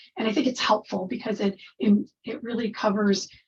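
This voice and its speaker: A woman's medium-pitched voice, ordinary pitch variation, and a fairly slow pace. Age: 60s. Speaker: counseling professor. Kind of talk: webinar lecture.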